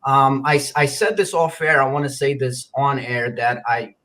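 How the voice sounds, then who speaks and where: A mid-pitched man from Western Ukraine, raised in New York, hosts the conversation. He speaks earnestly and heaps praise on his guest before putting a question to him. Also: normal speed, a bit bright. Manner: earnest, effusive compliments. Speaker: interview host. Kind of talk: casual interview talk.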